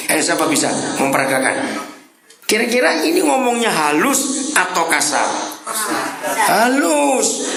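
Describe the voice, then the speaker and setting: A male pastor with a slight tinge preaches to a packed congregation. His pitch swings widely between hushed asides and shouted peaks. The sound is roomy, with the crowd audible around him. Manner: animated, jumps between soft asides and loud shouted lines, teasing the crowd. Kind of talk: lively sermon to a congregation. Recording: roomy church hall with congregation.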